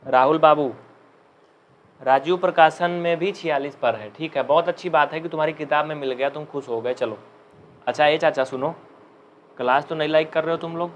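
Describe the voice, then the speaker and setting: A young man with an Uttar Pradesh Hindi accent teaching maths in a live online class, chatting and joking, and dictating slowly. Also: on the high side, muffled recording, a little hiss or hum.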